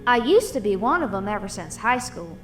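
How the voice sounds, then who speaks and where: A woman's voice: medium pitch, very animated, a little fast, soft background music, natural voice. A woman playing a tough but bashful female boxer, a cartoon animal in an audio drama, talking colloquially. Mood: regretful, resolute.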